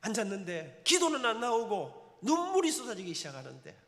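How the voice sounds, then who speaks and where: High-voiced Gyeongsang elder giving testimony. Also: male voice, huge pitch swings, a little fast, a bit bright. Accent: Gyeongsang Korean. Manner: impassioned, emotional storytelling with dialect turns. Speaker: church elder. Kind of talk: testimony sermon. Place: church sanctuary. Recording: long reverb in church sanctuary.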